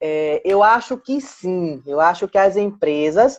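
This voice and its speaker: A woman's lively intonation, dry and close with no echo, against a quiet background. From Brazilian Northeast. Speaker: psychologist. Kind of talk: live interview. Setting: online live stream.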